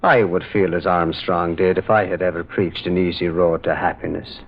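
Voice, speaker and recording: An actor playing a gentle, humble priest detective in an old radio drama, speaking in a halting, thoughtful way. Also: male voice, low-pitched, steady tone, muffled recording. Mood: reflective, earnest. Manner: halting, hesitant, reflective. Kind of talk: 1940s radio drama acting. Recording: noisy, band-limited old radio recording.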